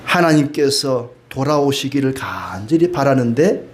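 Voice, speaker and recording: A man's voice: mid-range voice, animated, unhurried. A man preaching a sermon in a conversational way, dropping frequent rhetorical asides and rising into pleading emphasis. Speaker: pastor.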